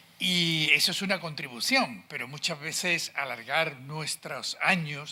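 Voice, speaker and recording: This man has a bright, sharp tone. His pitch sits fairly high. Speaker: audience member, doctor. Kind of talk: audience comment at lecture. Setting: lecture hall with audience.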